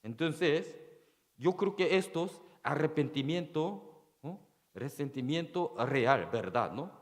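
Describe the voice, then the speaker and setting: Slow, halting male preacher in reverb. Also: fairly high pitch, lively intonation. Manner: halting, with frequent rhetorical questions to the congregation; repeats key phrases for emphasis. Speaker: pastor. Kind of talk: sermon. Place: church.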